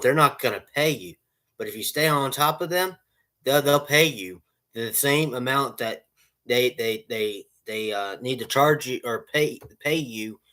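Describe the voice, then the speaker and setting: A man's voice: medium pitch, a bit bright. Rambling man giving lawn-business advice. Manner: rambling, repeats himself, many restarts. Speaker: lawn care business owner. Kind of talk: casual advice vlog.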